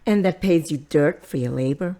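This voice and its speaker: A woman's voice: sits low, normal speed, warm tone. A woman playing a middle-aged, loving but pushy Latina mother in an audio drama, fussing and probing. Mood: pushy, motherly.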